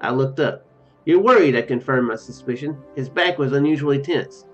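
A young man streams a text-based game from home, reading the story aloud and adding hesitant, rambling commentary. His medium-pitched voice comes through a slightly dull microphone, with faint music underneath. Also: moderate pace. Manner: rambling, hesitant, with trailing asides. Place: indoor room at home.

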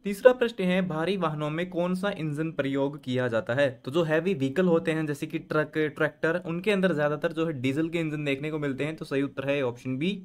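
A man's voice: on the high side, a little fast, few pauses, clean tone. A man hosting a screen-share lesson, reading each multiple-choice question aloud and then explaining the answer step by step. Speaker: channel host and tutor. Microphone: voice-over on screen recording.

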